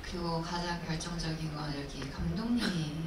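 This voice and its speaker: Thoughtful low-voiced woman, echoey hall. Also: normal speed. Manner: thoughtful, hesitant with fillers. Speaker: actress at a film Q&A. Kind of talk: stage Q&A answer. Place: cinema hall with audience. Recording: echoey cinema hall from far off, noisy.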